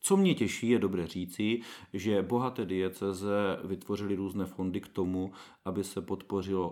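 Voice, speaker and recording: Very deep, low male voice at a moderate pace with fairly even intonation, on a very clean recording with a silent background. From Czech Silesia, Opava district. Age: 40s. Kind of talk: interview.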